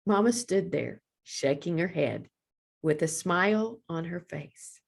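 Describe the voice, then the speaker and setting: Expressive, slow-paced woman reading aloud. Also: on the low side, creaky, slightly rough. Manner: deliberate, expressive storytelling. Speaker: storytime host, librarian. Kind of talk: children's picture book read-aloud.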